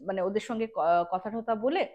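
A woman's voice: fairly high pitch, fairly quick, a little mellow. A woman hosting a ghost story show, telling tales informally and chattily, addressing listeners directly and mixing in English words.

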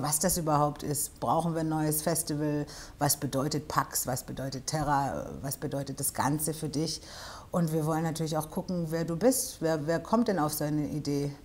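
A woman's voice: low voice, darkish tone. A woman hosting a studio interview, welcoming and asking many questions, on a lapel mic. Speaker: talk show host. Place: small studio set with armchairs.

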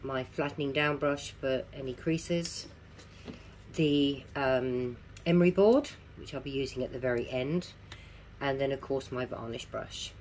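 Low-voiced, slow-talking toothless woman. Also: darkish tone, slight background noise. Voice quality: toothless, slightly slurred articulation. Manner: instructive, repeating key steps. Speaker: craft tutorial presenter. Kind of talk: casual step-by-step craft demonstration. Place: indoors at a home craft table.

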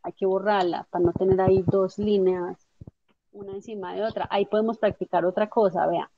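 Patient woman teaching software. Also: mid-range voice, fairly even intonation, a little fast, background noise. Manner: patient, explanatory, checks understanding with tag questions. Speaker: instructor. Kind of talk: software tutorial walkthrough. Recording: dull lo-fi dry audio.

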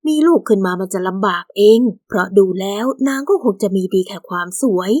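Woman doing a stern old mother-in-law, slow and grumbling, dry. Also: mid-range voice, lively intonation, a little mellow, no echo, natural voice. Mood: disapproving. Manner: slow, disapproving.

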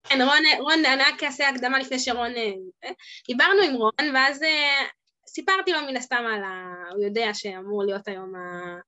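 A woman in her twenties co-hosting a student podcast on a video call, telling stories in a bubbly, animated way. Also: on the high side. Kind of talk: casual video call chat. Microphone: laptop webcam on a video call.

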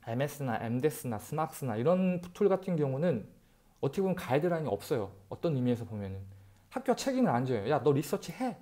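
A man in his thirties, a channel host, gives casual advice to camera in an animated way, using rhetorical questions and speaking into an earphone mic in a bright room. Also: fairly high pitch. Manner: animated, gestures a lot, talks directly to viewers with rhetorical questions. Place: bright room by a window, indoors. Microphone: wired earphone mic.

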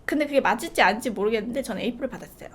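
A young woman YouTuber telling a school story to her viewers, animated, laughing often and breaking into bits of singing. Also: a little high, racing, breathy edge. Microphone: studio condenser mic.

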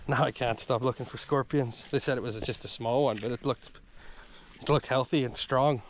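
A man's voice: medium pitch, fairly even intonation, normal speed, a little hiss or hum. A male travel vlogger talking casually and joking to himself while hiking outdoors in a rainforest, recorded on a handheld camera. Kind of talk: casual solo travel vlog narration.

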